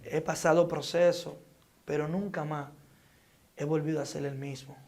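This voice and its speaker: Fervent man with a gravelly voice. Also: a little high, steady tone, moderate pace, a little mellow. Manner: fervent, dramatic storytelling with sound effects. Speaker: interview guest. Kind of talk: emotional testimony.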